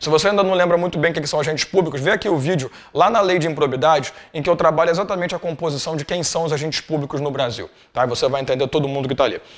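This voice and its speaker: Noticeable background noise sits behind a man speaking at a very fast pace. His pitch is fairly high, with ordinary pitch variation. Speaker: law teacher. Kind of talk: lecture. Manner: casual, uses swear words and slang.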